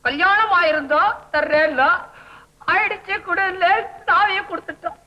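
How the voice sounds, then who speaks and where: A fretful, whiny comic bachelor. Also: male voice, extremely high pitch, moderate pace, pushed and bright, heavily acted. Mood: anguished. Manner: wailing, self-pitying comic delivery. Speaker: comic lead in a black-and-white film. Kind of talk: 1960s Tamil film comedy acting. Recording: dull old film soundtrack.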